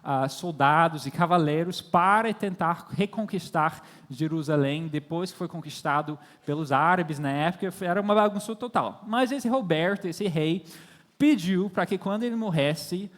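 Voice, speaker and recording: High-voiced young man preaching in echoey hall. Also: normal speed, fairly bright tone. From born and raised in France, Irish parents. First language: not native in Portuguese. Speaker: missionary, guest preacher. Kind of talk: sermon to a congregation, with storytelling. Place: large church hall, speaking to audience. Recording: echoey hall with long reverb.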